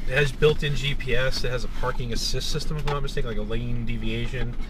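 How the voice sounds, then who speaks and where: Background noise is noticeable. A man talks over it. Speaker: product reviewer. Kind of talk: product review talk. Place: car. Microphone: camera far.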